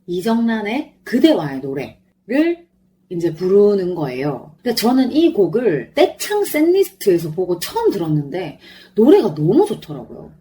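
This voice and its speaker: Animated mellow-voiced woman with a sore throat. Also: mid-range voice. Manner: effusive, animated fan talk. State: sore, strained throat after singing along. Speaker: podcast host. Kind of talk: chatty solo concert review.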